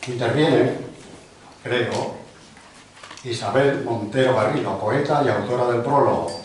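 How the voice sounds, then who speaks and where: A man's voice: medium pitch, unhurried, distant mic. An older man from Spain hosting a book presentation, speaking in a chatty, rambling way with small self-deprecating jokes. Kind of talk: informal welcoming speech. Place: large hall of a cultural club, indoors. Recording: very echoey hall, heard from afar.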